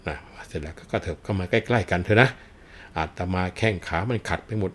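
A man's voice: low-pitched, fairly quick. A man voicing an elderly senior monk, easygoing and speaking in a monk's manner of address. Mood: kindly. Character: elderly male senior monk, fond and chatty.

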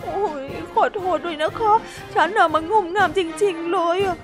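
A woman's voice: very high voice, unhurried, pitched above the performer's own voice. A woman voicing a shy, clumsy young female hippo who keeps apologizing through tears. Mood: tearful apology. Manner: apologetic, tearful. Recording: music underneath.

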